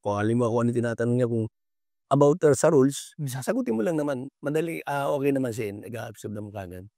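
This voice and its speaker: An older man, a veteran basketball referee, answering interview questions in a polite, halting way with many pauses. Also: mid-range voice, animated, creaky, warm tone, dry recording, studio quality.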